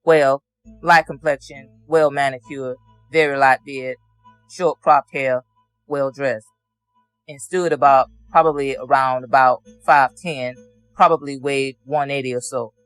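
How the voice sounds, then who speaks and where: A man's voice: medium pitch, fairly even intonation, unhurried, a bit bright, clear, resonant tone, faint music behind. Matter-of-fact male witness giving testimony. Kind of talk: courtroom testimony.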